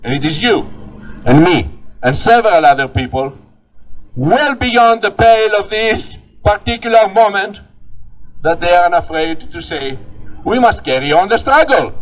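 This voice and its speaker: With a French accent, a man speaks at a moderate pace and high pitch, his voice making very wide pitch swings between long, frequent pauses. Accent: foreign accent, French-tinged. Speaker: political candidate. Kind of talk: political speech.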